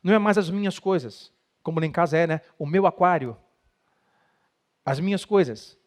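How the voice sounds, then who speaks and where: High-voiced Brazilian pastor preaching. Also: male voice, lively intonation, moderate pace. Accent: Brazilian Portuguese. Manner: emphatic preaching, acts out quoted spouses. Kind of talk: sermon talk on marriage.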